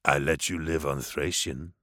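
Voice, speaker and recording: An ancient demon host speaks in an abyssal, gravel-rough voice for an audiobook. He talks slowly and deliberately, coldly manipulative. The voice has a harsh, tense edge and a husky grain. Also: steady tone, fairly bright tone, dry recording, clean studio sound, exaggerated voice. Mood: taunting. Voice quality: very deep gravelly voice, slow and measured. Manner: taunting, intimate, drops into whispers. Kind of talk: audiobook character voice.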